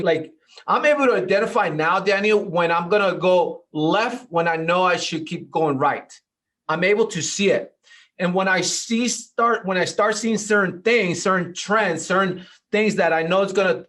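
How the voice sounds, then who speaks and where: A man hosts a casual podcast interview. His voice sits high, and he talks eagerly, agrees often and restarts his words. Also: fairly bright tone. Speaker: podcast host.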